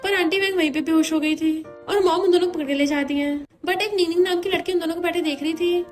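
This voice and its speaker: A woman casually retelling a drama plot in a quick, chatty way. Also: extremely high pitch, steady tone, faint music behind. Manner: quick, chatty retelling with mixed English words. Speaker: drama recap narrator.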